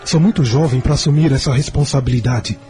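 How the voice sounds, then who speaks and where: A man's voice: mid-range voice, fast, warm tone, soft background music, close to an everyday voice. A young man playing a reluctant, evasive but dutiful son in a radio drama, with a Brazilian accent. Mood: reluctant, defensive. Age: young adult.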